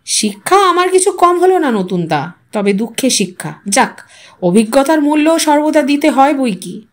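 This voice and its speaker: Woman acting offended male guest, grave, cold sarcasm, cutting, dismissive, story dialogue, moving pitch. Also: sing-song, moderate pace. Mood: cold, bitter. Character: Niren, aggrieved, coldly sarcastic male house guest.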